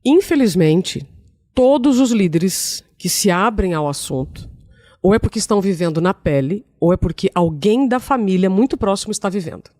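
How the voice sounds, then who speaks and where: A woman guest on a podcast who lectures and writes books. She speaks in an easy, affirming, conversational manner at a middle pitch. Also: expressive, moderate pace, dark tone, no room sound, studio quality. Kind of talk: casual conversation.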